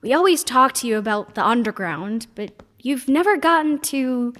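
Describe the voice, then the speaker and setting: A woman playing a gentle, wistful character who records a halting farewell message in a sci-fi audio drama, with long echo around the voice. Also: on the high side, expressive. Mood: wistful, tender. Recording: long reverberant hall echo.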